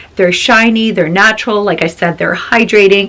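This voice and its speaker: A woman's intonation stays fairly even while noticeable background noise carries on behind her. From Canada. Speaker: beauty vlogger. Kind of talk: product review.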